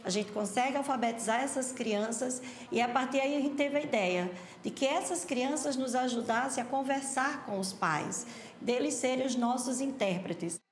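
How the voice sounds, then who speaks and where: A woman's voice: high voice, normal speed, reverberant. A woman on school staff with a Brazilian accent, explaining her work earnestly in a documentary interview. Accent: Brazilian Portuguese.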